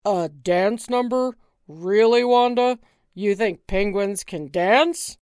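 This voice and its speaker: A woman's voice: medium pitch, takes it slowly, a little mellow, clear, resonant tone, dry recording, clean studio sound, natural voice. A woman voicing a nervous, complaining middle-aged husband who wants to go home. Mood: fretful. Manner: whiny, complaining, reluctant.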